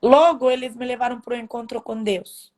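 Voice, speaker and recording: Testimony: woman, fairly high voice, halting emotional telling with restarts. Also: steady tone, darkish tone. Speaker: testimony speaker. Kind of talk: personal faith testimony.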